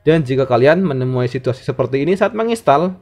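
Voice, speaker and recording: A man's voice: mid-range voice, lively intonation, fast, a little mellow. A man hosting a tech tutorial in methodical, scripted narration. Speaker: tech channel host. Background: background music.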